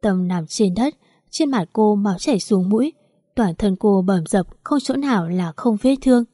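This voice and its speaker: Female storyteller, steady and dramatic; mellow tone, dry recording. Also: mid-range voice, normal speed, no echo. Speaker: narrator. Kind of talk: scripted story narration.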